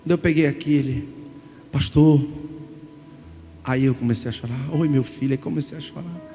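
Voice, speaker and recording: Brazilian pastor preaching with gravelly voice. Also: male voice, mid-range voice, quick pace. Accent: Brazilian Portuguese. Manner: emotional storytelling, animated, calls listeners "gente". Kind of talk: sermon. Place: church sanctuary. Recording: reverberant church hall with music.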